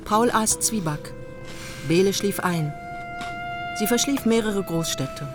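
An actress as a literary narrator tells a radio drama in a detached, matter-of-fact way. Her delivery is precise and scripted, at a middle pitch, with music clearly audible underneath. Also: takes it slowly, natural voice.

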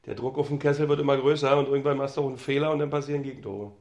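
Fast-talking man chatting about football. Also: medium pitch, steady tone, darkish tone. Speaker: football podcast panelist. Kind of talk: casual chat.

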